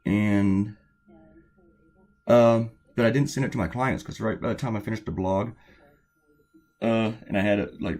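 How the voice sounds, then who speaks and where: A man with a very deep, slightly hoarse voice talks casually while he draws. He rambles through anecdotes with lots of fillers and restarts, in a weak, worn voice. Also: a little mellow. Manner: rambling, chatty storytelling with many fillers. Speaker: cartoonist. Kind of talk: casual chat while drawing.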